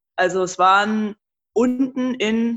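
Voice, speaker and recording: Here a woman talks. Her pitch shows ordinary variation. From Germany, Rhineland-Palatinate. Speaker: obstacle course racer. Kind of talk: casual interview.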